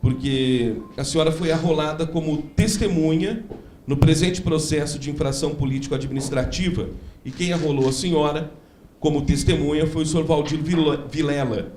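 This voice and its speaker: A man's voice: on the high side, normal speed, a little mellow, a little hiss or hum. Formal man chairing a council hearing. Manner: formal, courteous, clarifying questions.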